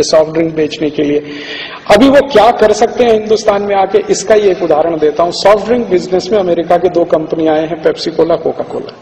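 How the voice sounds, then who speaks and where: A man giving a public lecture, forceful, with rhetorical questions and repeated lists. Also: high-pitched, slight background noise. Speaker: public speaker. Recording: distant echoey hall recording.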